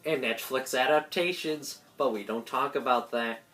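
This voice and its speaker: A woman's voice: very deep voice, moderate pace, fairly bright tone, soft background music. A woman doing an amateur read-aloud narration of a visual novel with asides, stumbling over lines and correcting herself. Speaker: video creator voicing a visual novel.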